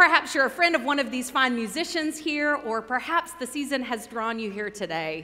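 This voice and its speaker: A woman uses a raised, projected voice with lively intonation. Her tone is bright and sharp. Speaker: pastor. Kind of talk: worship welcome announcement. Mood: warm, welcoming. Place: church.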